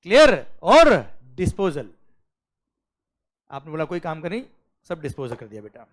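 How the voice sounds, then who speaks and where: A man teaching a classroom lecture, often asking his students whether things are clear and mixing English phrases into his speech. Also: fairly high pitch, normal speed. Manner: lively, drills students with repeated questions.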